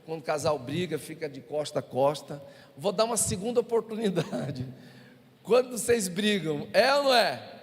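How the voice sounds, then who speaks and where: A man's voice: on the high side, expressive, normal speed, darkish tone. A male pastor with a Brazilian Portuguese accent, preaching a sermon and telling humorous stories to the congregation. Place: church hall. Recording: reverberant church hall.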